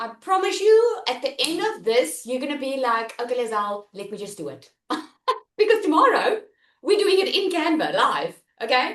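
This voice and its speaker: Delivered at a moderate pace in a South African accent, the voice shows very wide pitch swings and big swings in loudness. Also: woman, high pitch for a woman. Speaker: online business coach. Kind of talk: live workshop teaching. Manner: animated.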